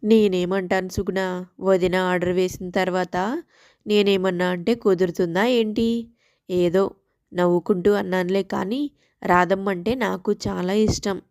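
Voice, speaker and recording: A good-humoured village husband, played by a woman talks in a lowered, dry-sounding voice. He is an easygoing elder brother in a moral tale, agreeable and gently teasing. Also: fairly even intonation, unhurried, no room sound, close to an everyday voice.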